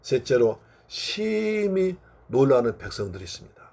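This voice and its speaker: A man's voice: mid-range voice, big pitch swings, normal speed, vocal fry, darkish tone. A male pastor preaching a Sunday sermon with fervent, repetitive emphasis.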